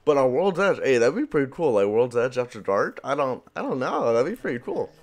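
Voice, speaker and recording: A young man talks as a gaming YouTuber. His commentary is casual and hyped, with a mid-pitched voice that rambles along in loose slang. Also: very animated, a little fast.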